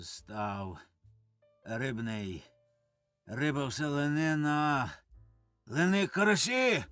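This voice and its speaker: A man's voice: a little high, sing-song, a little slow, no echo, faint music behind, exaggerated voice. A man reading the part of a grasping, coarse old farmer who curses and grumbles, in a dry studio audiobook of a stage play. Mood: feverish. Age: older. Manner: gruff, cursing, shouts in his sleep.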